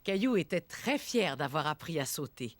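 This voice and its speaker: A woman narrating a preschool cartoon as a gentle, expressive storyteller, in scripted storybook style. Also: low-pitched, normal speed. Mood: warmly pleased.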